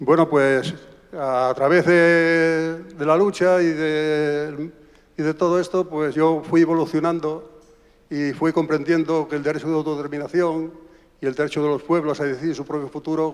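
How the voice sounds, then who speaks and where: The voice moves at a fairly slow pace in a flat, monotone intonation. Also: man, fairly high pitch for a man. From Extremadura, Spain. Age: 70s. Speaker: audience member at political event. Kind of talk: public question at town-hall meeting. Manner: halting.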